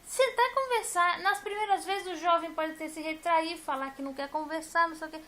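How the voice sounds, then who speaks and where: A woman with a high voice talks straight to camera in a casual vlog. Her tone is bright and clear, and she presses every point with emphatic repetition. She speaks as a teacher talking to her viewers. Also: fairly even intonation, quick pace. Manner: emphatic, addresses viewers directly, repeats points.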